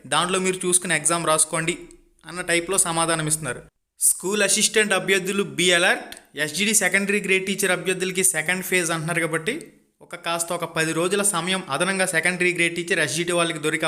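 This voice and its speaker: A man's voice: high-pitched, sharp tone. A man giving an informal exam news update to viewers as a channel host, in an insistent, exhorting way.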